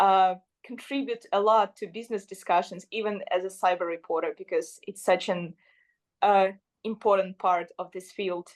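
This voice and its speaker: Against a quiet background, a woman with a Ukrainian accent speaks at a moderate pace with medium pitch and fairly even intonation. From Ukraine. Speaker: journalist. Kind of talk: interview.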